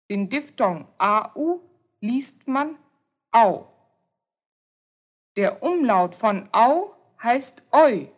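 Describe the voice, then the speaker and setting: A woman teaches a language lesson from a script. She speaks very slowly and sounds out every letter and word with care. Her voice sits a little high. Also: fairly bright tone. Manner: careful, deliberate pronunciation.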